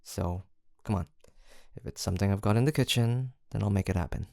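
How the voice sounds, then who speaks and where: Low, creaky young best friend, acted by a man. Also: a little fast, no echo, clean studio sound. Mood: easygoing banter. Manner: casual, playful, murmured hesitations and soft laughs. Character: male college-aged best friend, teasing, softly affectionate. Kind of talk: intimate audio roleplay acting.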